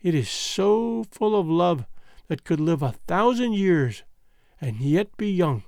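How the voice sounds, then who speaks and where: A dying young woman, gentle and devoted, breathing out her last words softly and slowly, as a male reader puts her on. Her voice is lifted high and wavers, but it sinks low and grows quiet. The sound is dry and close. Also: sing-song, no room sound, heavily acted. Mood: tender, fading. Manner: soft, fading, tender.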